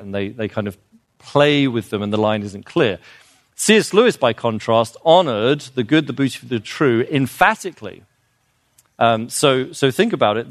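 A man's voice: mid-range voice, dry recording, studio quality. A man giving an informal, earnest lecture, explaining with fillers and restarts and growing emphatic on his key points. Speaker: speaker on children's literature.

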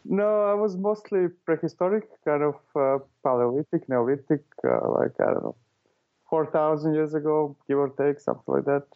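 A man's voice: fairly high pitch, normal speed, gravelly. Serbian-born man, dull lo-fi sound. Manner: hesitant, many fillers and restarts. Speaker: guest, author and consultant. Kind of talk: casual interview answers.

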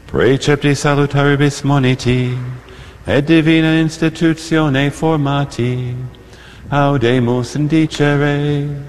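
A man's voice: a little high, fairly even intonation, takes it slowly. A man serving as priest at Mass, solemnly intoning and reciting the liturgy, heard with a cathedral echo. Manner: solemn intoning, alternating spoken and sung prayer. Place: large church. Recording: long cathedral reverb with faint music.

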